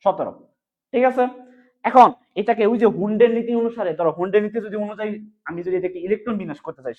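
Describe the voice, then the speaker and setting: Fast, high-voiced male chemistry teacher. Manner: fast, repetitive question-and-answer drilling. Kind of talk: online exam-prep class. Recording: phone-like narrow sound.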